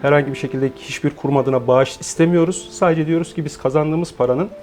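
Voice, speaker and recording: Measured, mellow-voiced man in his forties. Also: a little high, fairly even intonation, soft background music. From Turkey. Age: 40s. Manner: measured, explanatory, with frequent hesitation fillers. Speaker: guest, founder of an online shop. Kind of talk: interview.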